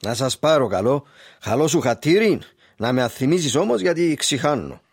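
A man's voice: mid-range voice, lively intonation. A man playing a worried Cypriot son. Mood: calm. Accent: Cypriot Greek. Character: worried patient grown son, soft with his mother.

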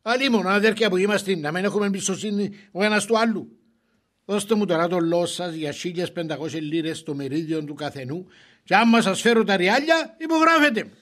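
A stubborn brother speaking Cypriot Greek in a dialect drama. His voice sits high, and he pushes his point with indignant insistence. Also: lively intonation, a bit bright. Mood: insistent. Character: stubborn, touchy brother haggling hard with siblings.

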